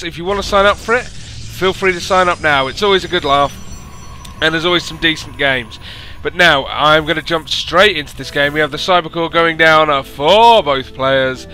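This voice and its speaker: A man, hoarse from losing his voice, hosting and commentating a strategy game by himself and rising to excited announcing at big moments. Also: fairly high pitch. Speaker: esports caster and show host.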